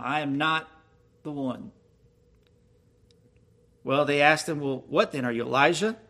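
A man's voice: on the high side, pushed and bright. A man preaching a sermon, reading scripture aloud and explaining it with questions to his listeners. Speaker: pastor.

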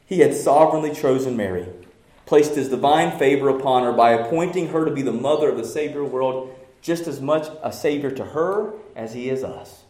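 A man preaching a sermon as pastor, swinging from shouted passion to hushed, near-whispered lines. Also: medium pitch, moderate pace, reverberant. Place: church sanctuary.

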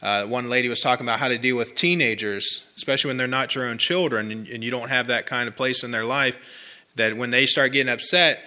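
A man's voice: mid-range voice, fairly even intonation, a little fast, pushed and bright. A man preaching an informal, conversational sermon, repeating phrases and answering people in the pews. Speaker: pastor. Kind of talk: informal sermon with congregation responses.

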